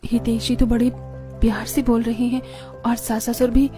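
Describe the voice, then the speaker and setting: A woman voicing a gentle, timid young bride in an animated story, speaking softly and pleadingly. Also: a little high, normal speed, faint music behind, natural voice. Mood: sad. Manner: soft, pleading.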